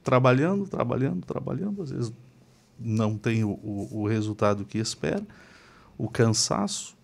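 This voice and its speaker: A man, a pastor and podcast guest, telling an animated anecdote in casual conversation. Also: mid-range voice, moderate pace, creaky. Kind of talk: casual chat, storytelling.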